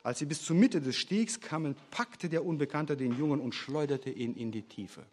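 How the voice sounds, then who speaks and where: A man preaching a sermon, telling stories in an animated way and asking rhetorical questions. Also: on the high side, normal speed.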